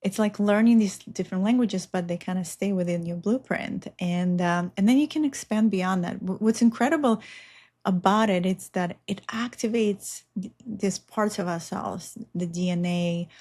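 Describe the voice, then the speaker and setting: A woman's voice: mid-range voice, moderate pace, a little mellow. Middle-aged Belarus-born woman, Russian first language; rambling, earnest guest talk. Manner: earnest, meandering, many fillers. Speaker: spiritual guest. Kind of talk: casual interview talk.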